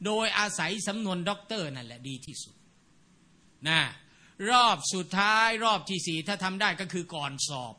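A man with a high, very bright and sharp voice teaches a class in a relaxed, lively way. He keeps checking with his students whether they follow, and now and then he mimics other people's accents to make a point. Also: moderate pace. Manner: animated, keeps asking rhetorical checks; mimics accents while explaining. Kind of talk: casual lecture to students.

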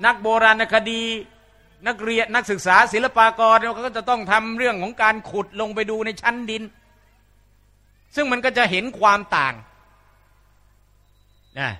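A man preaches an Islamic sermon, full of humor and playful dialect impressions. His voice sits high and sounds bright and forceful. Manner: lively, humorous, mimics regional dialects.

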